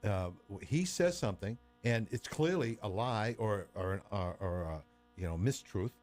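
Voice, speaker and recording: A man's voice: on the low side, expressive, measured pace, darkish tone. A man talking politics as a radio guest, emphatic and opinionated, leaning on his points. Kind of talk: casual political chat.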